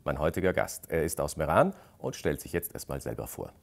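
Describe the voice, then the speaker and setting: A man's voice: very deep voice, very animated, a little fast, gravelly, a little hiss or hum. A middle-aged man, hosting a TV interview and asking questions in a friendly, conversational way. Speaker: host. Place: rustic hotel lounge.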